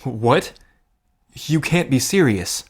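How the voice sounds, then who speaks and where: A man's voice: medium pitch, lively intonation, takes it slowly, breathy edge, heavily acted. A man acting in an audio drama as a protective, wry cousin in a gambling scheme, talking in an earnest, conversational way. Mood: concerned, questioning. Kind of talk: scripted audio drama acting, addressed to the listener.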